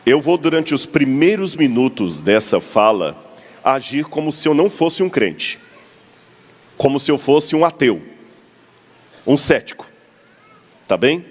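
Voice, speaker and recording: A man's voice: medium pitch, very animated, unhurried, long pauses. A man preaching a sermon in a full church, talking conversationally, joking with the congregation and posing rhetorical questions.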